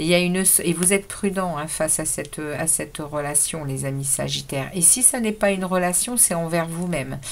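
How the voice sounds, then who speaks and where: Against noticeable background noise, a woman with a fairly low pitch and ordinary pitch variation speaks at a moderate pace with hardly any pauses. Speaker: tarot card reader. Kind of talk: tarot reading. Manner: halting.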